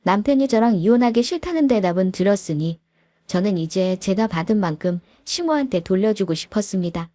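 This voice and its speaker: A woman's voice: medium pitch, expressive, a little fast, warm tone, no echo. A woman in her thirties narrating a first-person story in a confiding way, asking the listener questions.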